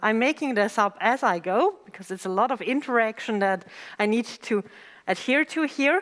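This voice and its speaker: With a non-native accent and a fairly high pitch, a woman talks at a moderate pace on a very clean recording with a silent background. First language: not English. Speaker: workshop trainer. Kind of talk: lecture.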